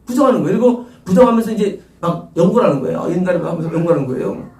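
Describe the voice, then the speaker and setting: Animated Korean pastor preaching in a roomy church. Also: male voice, sits high, very fast. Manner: emphatic, rhetorical questions, repeats key phrases. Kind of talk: sermon. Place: church sanctuary. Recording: roomy echo, distant mic.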